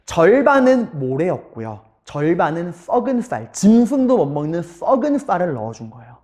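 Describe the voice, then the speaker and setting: A man's voice: high voice, sing-song, normal speed, a little mellow. A male middle school history teacher giving an online lecture, telling the story animatedly and talking straight to his students.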